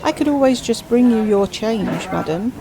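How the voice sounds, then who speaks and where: A woman's voice: fairly high pitch, animated, normal speed, a crowd in the background, rough recording. A woman voicing a polite, earnest young waitress.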